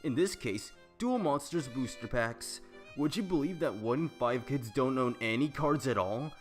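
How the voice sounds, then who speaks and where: A man's voice: medium pitch, expressive, normal speed, soft background music, close to an everyday voice. A man acting as a polite, earnest charity collector in a fan audio drama, formal in manner.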